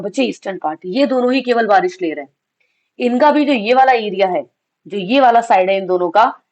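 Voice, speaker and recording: A woman teaching an exam revision lesson with a slightly sore throat, asking questions and answering them herself and mixing in English phrases. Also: a little high. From India. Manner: addresses students as kids.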